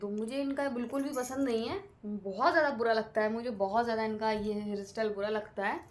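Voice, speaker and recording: A woman's voice: a little high, steady tone, brisk. Chatty woman rambling through a home vlog. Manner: chatty, rambling with many fillers. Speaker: vlogger. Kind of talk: casual family vlog talk.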